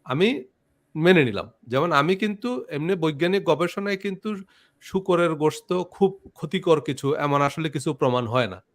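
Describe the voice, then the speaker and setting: A man's voice: fairly high pitch, lively intonation, normal speed. A man hosting a casual debate, laying out his position step by step. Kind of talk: casual debate on a live stream.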